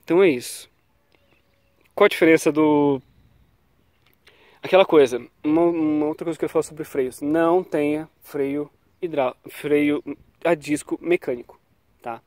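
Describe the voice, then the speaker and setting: A man's voice: a little high, measured pace, pauses often, darkish tone, dry recording, studio quality. Chatty man with a cold. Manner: chatty, loose, trails off with "tá?" and "né?". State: has a cold. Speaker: cycling vlogger. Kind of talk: casual talk to camera about bike brakes. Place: outdoors on a quiet paved road. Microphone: action camera on the bike.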